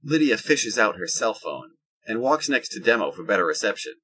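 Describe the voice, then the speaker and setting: A man reads scripted story narration for an audio drama. His voice sits low and is rough and husky. It has a bright, forceful edge. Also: sing-song, moderate pace, poor audio.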